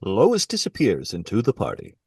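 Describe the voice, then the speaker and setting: A man's voice: fairly low pitch, huge pitch swings, moderate pace, slightly rough, no echo, exaggerated voice. A man playing the narrator of an audio play, describing the action as scripted narration. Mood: descriptive.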